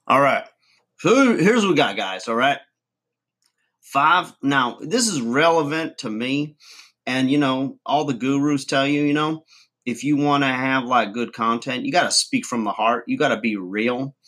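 A folksy redneck guru rambles through a comic advice show, as a man plays him. He chuckles, trails off and mangles big words. His voice sits at an everyday middle pitch. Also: unhurried, fairly bright tone. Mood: boastful rambling. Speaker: comedy channel host. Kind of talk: comic monologue to camera.

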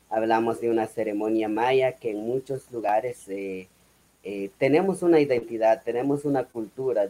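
Mellow-voiced man, K'iche'. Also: mid-range voice, poor audio. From Guatemala. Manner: measured, repetitive, with frequent "eh" fillers. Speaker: guest, Maya spiritual speaker. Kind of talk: reflective explanation.

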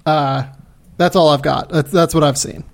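A man's voice: a little high, steady tone, normal speed, creaky. A man hosting a podcast in casual chat, talking loosely and repeating words. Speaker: podcast host.

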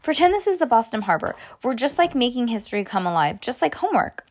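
A woman reading a storybook as a bossy, excitable young schoolgirl, insistent and dramatic. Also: fairly high pitch, fast, voice pushed up. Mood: pleading.

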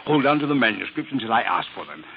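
An actor playing a fussy, genteel, cautious crooked dealer in a 1940s radio drama, with a hesitant, oily, polite manner. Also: male voice, medium pitch, very animated, fast talker, vocal fry. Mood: oily, assuring. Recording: dull, noisy old radio recording.

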